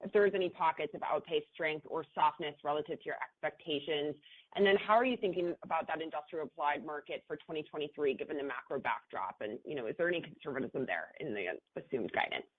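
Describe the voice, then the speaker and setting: A woman's voice: deep voice, fast, husky. Woman analyst on a phone line. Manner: structured, polite questioning. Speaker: financial analyst. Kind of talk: earnings call questions.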